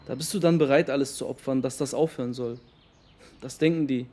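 A young adult actor voices the defensive Muslim friend of a missing teen, delivering earnest testimony full of slang in a naturalistic radio drama. He speaks a little fast in a mid-range, dark-toned voice that sounds close to how someone talks every day.

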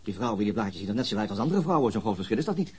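A persistent police interrogator in a crime radio play. His lowish, very husky voice talks quickly. He probes and insinuates, staying controlled as he presses. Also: very animated, full character voice. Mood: baiting, quiet. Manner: insistent, probing. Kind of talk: radio crime drama acting.

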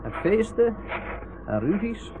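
An actor playing a chatty, reassuring young ship's doctor in a Dutch radio play. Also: male voice, high-pitched, very animated, takes it slowly, full character voice. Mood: talkative, reassuring. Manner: chatty, reassuring, repeats himself. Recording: noisy narrowband old radio recording.

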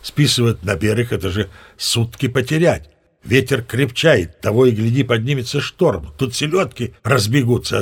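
An actor playing an old sea captain spinning tall tales in an audio play, with a gravelly, husky voice and a folksy, self-assured way of talking. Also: male voice, mid-range voice. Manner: folksy, conversational, addressing listeners. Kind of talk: dramatised storytelling in an audio play.

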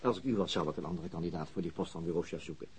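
An actor playing a dry, disillusioned police detective in a radio drama, politely ironic and deadpan. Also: male voice, sits low, racing, breathy edge. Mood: icy irony.

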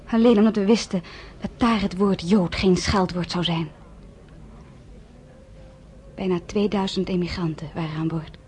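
An actress playing a young Jewish woman survivor who narrates her own story in a radio play, softly and often close to a whisper. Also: fairly low pitch, a little hiss or hum, close to an everyday voice. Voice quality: soft-spoken, often near a whisper.

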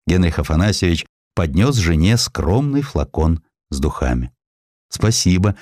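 A man narrates a historical essay in a deep voice that rises and falls a lot. His reading is measured but expressive, leaning on key words. The studio recording is dry and close. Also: no echo. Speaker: audiobook narrator.

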